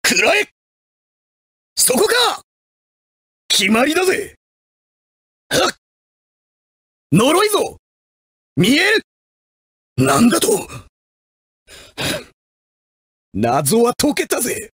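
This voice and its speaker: A man playing a ruthless, proud gangster assassin in an anime video game, husky, with theatrical, menacing, rough tough-guy speech. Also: extremely high pitch, wildly swooping pitch, slow, pauses often, pushed and bright, no echo, studio quality, exaggerated voice. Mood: fierce battle shouts.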